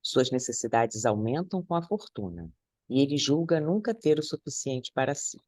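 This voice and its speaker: A reader reading a text aloud to a study group in a measured way. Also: mid-range voice, expressive, a little mellow, dry recording, studio quality.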